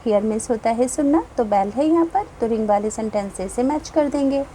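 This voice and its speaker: Woman teacher, slow and patient, mellow voice, faint noise behind, explains each line of a children's textbook. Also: a little high, low-quality recording. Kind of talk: explaining a class 1 English textbook.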